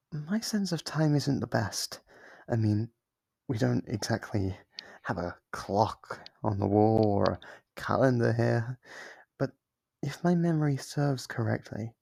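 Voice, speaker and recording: A man voicing a lonely, clingy sealed demon who is sweetly manipulative, in an ASMR roleplay with soft-spoken, wheedling talk. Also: medium pitch, slow pace, creaky, pauses often, slightly rough, no room sound, exaggerated voice. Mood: tender.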